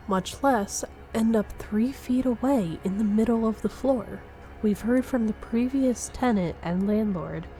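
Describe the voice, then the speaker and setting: A woman's voice: medium pitch, mellow, low-quality recording. A woman narrating a scripted spooky first-person story as the storyteller. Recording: music behind the voice. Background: background music.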